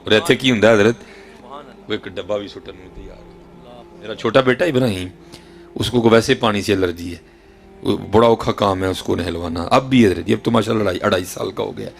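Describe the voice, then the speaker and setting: Male preacher with a Punjabi accent, gravelly, storytelling sermon with rhetorical questions. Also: on the low side. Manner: rhetorical, tells stories, keeps addressing the audience as hazrat ji. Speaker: Islamic preacher.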